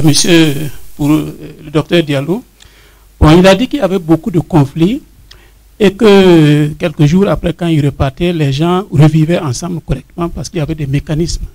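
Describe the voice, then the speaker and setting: A man's voice: on the high side, darkish tone, no echo. A male academic with a Burkinabè French accent, putting a question to panelists from the audience.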